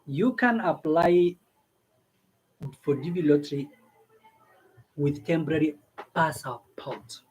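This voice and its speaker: A man's voice: on the high side, slow, pauses often, a little mellow, breathy edge, rough recording. A man from East Africa hosting a casual explainer video, repeating his points and checking in with listeners. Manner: repeats himself, asks listeners questions. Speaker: video host giving visa advice. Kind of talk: casual explainer talk to camera.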